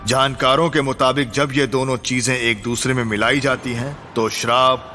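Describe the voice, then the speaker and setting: A grave male adventurer tells a legend in a dubbed film, voiced by a man. His tone is bright and forward at an ordinary male pitch. He speaks in a measured, solemn storytelling manner. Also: steady tone, soft background music, close to an everyday voice.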